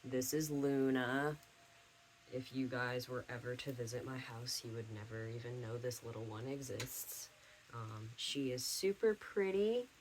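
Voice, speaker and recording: Young man, casual video diary, rambling, many fillers, medium pitch, camera mic, light background hiss. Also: measured pace, rough recording. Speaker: vlogger. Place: at home.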